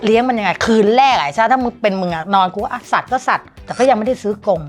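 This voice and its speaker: Fast-talking blunt woman telling stories. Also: mid-range voice, faint music behind. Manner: blunt, crude storytelling. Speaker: guest. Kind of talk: casual chat.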